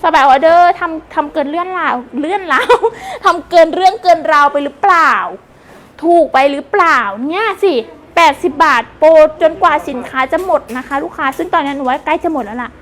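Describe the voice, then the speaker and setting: A woman selling on a live stream with fast, excitable hype, gushing and repeating prices while chatting to customers. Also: extremely high pitch. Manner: chatty, addresses viewers with polite endearments. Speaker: live-stream seller of wholesale second-hand clothing.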